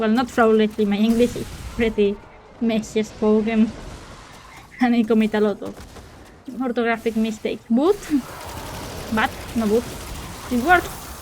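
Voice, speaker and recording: Over noticeable background noise, a woman with a Spanish accent speaks at a moderate pace with long, frequent pauses. Her voice is fairly high and her intonation fairly even. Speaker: video game streamer. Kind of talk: live gameplay commentary.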